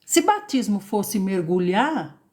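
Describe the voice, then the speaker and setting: A woman reading and teaching the Bible live, expressive and addressing listeners by name. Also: mid-range voice, takes it slowly.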